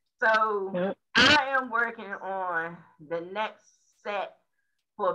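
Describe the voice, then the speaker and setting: A bright, sharp tone with an American accent and lively intonation, over a quiet background. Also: woman. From Washington DC, Southside; Washington DC. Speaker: small business owner; podcast guest. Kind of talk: casual interview chat. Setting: podcast recording. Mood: upbeat, animated. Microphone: webcam.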